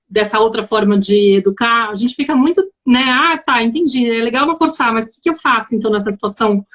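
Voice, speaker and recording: A woman in her thirties, a mother and guest on a live video chat, speaking earnestly and acting out talks with her daughter. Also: on the high side. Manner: earnest, animated, acts out dialogues with her daughter. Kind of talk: live conversation.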